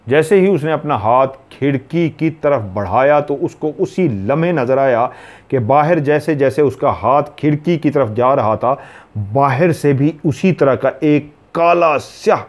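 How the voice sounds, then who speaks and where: A man's voice: medium pitch, darkish tone. Male storyteller from Pakistan, suspenseful horror narration. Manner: dramatic, suspenseful.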